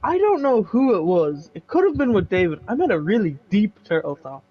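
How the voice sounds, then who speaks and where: A man's voice: high voice, big pitch swings, brisk. A man co-hosting a casual podcast, playful, goofy and evasive. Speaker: podcast co-host. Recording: muffled lo-fi mic.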